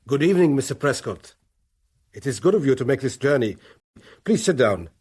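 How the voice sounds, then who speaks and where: Husky, formal Arab guerrilla commander. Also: male voice, mid-range voice, very animated, a little mellow, dry recording. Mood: courteous. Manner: formal, measured. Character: grave, courteous, unyielding male Palestinian guerrilla commander. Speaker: actor playing a guerrilla leader.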